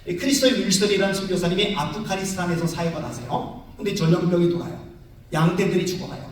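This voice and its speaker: A middle-aged male pastor preaching a revival sermon with a strong, carrying voice, telling stories in an animated way and acting out the voices of the people in them. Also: high-pitched, fast, a little hiss or hum. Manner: animated storytelling, acts out voices, sudden shouts. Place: large church hall. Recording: very echoey hall, voice from far off.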